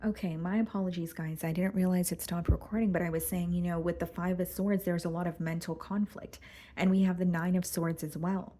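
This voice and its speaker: A woman doing a casual tarot reading, going hoarse and clearing her throat as she talks through the cards with some hesitation. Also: lowish voice, fairly even intonation, brisk, dark tone. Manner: careful, hesitant, repeats words. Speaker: tarot reader.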